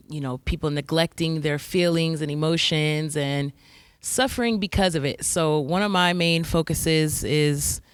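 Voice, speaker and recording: Smooth, low-voiced woman social worker. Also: dry recording. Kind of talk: casual panel chat.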